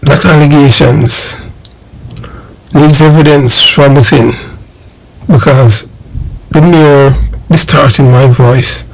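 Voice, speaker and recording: A man with a Jamaican accent delivering political commentary straight to his audience, emphatic and deliberate in his phrasing. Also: mid-range voice, fairly even intonation, gravelly, a little hiss or hum, poor audio. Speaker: online channel host and commentator.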